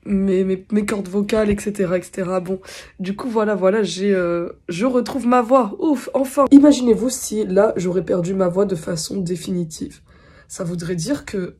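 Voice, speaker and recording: A young woman talking casually to camera in a vlog, her voice still slightly hoarse and recovering, chatty with many fillers. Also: mid-range voice, steady tone, moderate pace, darkish tone. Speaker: vlogger.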